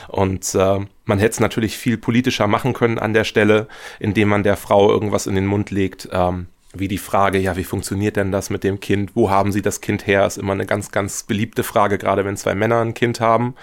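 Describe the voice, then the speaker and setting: This radio play writer, appearing as an interview guest, talks briskly in a fairly low, flat voice. His answers are reflective and considered, and he frequently hunts for the right words.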